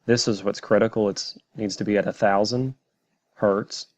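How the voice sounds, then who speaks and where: A man narrating a step-by-step software tutorial in a plain, methodical way. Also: lowish voice, fairly even intonation, normal speed, no room sound. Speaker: tutorial presenter.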